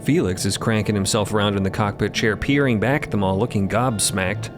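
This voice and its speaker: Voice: deep voice, a little fast, music in the background. A narrator telling a scripted audio drama in dramatic style.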